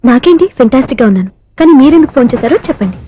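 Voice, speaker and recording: A woman playing a sharp-tongued young woman who scolds and teases with quick retorts in a film comedy scene. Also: high-pitched, animated, breathy edge, lo-fi sound. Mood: teasing.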